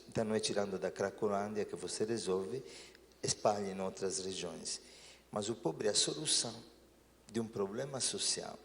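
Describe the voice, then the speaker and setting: A priest telling stories and reflecting earnestly in a talk show conversation. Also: male voice, fairly low pitch, in a large hall.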